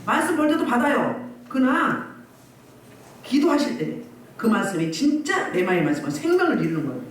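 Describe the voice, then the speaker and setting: A woman's voice: a little high, very animated, moderate pace. A woman pastor preaching a sermon, scolding and exhorting with rhetorical questions, recorded from a distance in a church hall. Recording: echoey distant church recording, faint noise.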